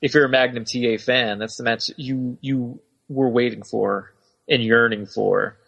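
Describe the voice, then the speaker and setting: A man's voice: medium pitch, steady tone, moderate pace, vocal fry, fairly bright tone, breathy edge, highs cut off. A man co-hosting a casual talk show, speaking hesitantly with many fillers as he works through his thoughts. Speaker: podcast co-host.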